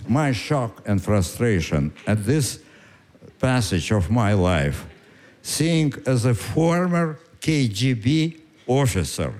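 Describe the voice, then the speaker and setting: A man in his nineties with a Russian accent, telling a story on stage in a halting way with many pauses and fillers. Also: mid-range voice, sing-song, a little mellow. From Ukraine. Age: 90s. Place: stage before a live audience.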